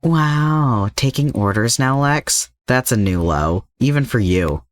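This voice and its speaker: A man's voice: medium pitch, expressive, slow, no room sound, studio quality, voice pushed up. A man voicing a defiant, sarcastic young hero held captive in an audio story, snarky and agitated. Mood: mocking.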